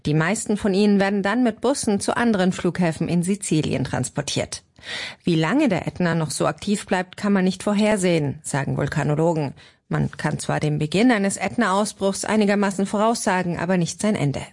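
A female news correspondent with a slightly low voice. She reports in a clear, formal style, steady and matter-of-fact. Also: a little fast.

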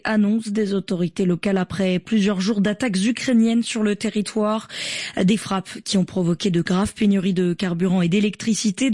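A woman presenting a radio news bulletin from a studio, reading in a measured way with the odd filler. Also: medium pitch, a little mellow, dry recording. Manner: measured newsreading with occasional fillers.

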